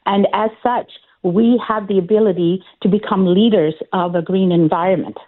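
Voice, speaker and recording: A woman's voice: medium pitch, steady tone, moderate pace. A woman candidate makes her case over a tinny phone line, her voice squeezed into a narrow band. She speaks earnestly and in a campaigning tone, stopping often to restart her sentences and fill the gaps. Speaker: political candidate guest. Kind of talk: phone interview on talk radio.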